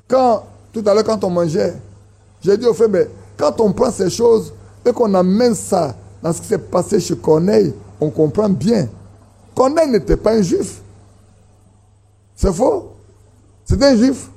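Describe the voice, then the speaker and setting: Husky preacher. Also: male voice, expressive, unhurried, pauses often, dark tone. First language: an Ivorian language. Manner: emphatic, rising in pitch to stress points, repeats phrases. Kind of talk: sermon.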